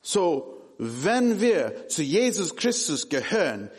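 Slow-preaching man in reverberant hall. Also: medium pitch. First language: English. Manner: non-native German, swings from hushed to emphatic. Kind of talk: sermon.

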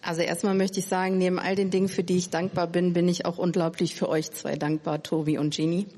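A woman's voice: lowish voice, level tone, quick pace, mellow. A woman giving a testimony at church, speaking earnestly and gratefully. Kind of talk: spoken testimony. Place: church hall. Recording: reverberant hall, distant mic.

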